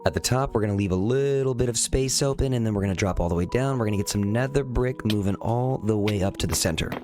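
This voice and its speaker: Low-voiced man calmly narrating gameplay. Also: fast, faint music behind. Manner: relaxed, easygoing, thinks aloud while building. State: slightly raspy from recent illness. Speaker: Minecraft let's play host. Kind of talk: calm narrated gameplay commentary.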